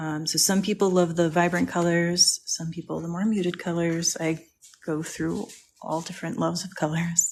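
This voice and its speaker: The speech goes at a moderate pace with monotone, flat intonation. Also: woman, fairly low pitch for a woman. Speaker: painter and former chemistry teacher. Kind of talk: live painting stream chat. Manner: casual, relaxed.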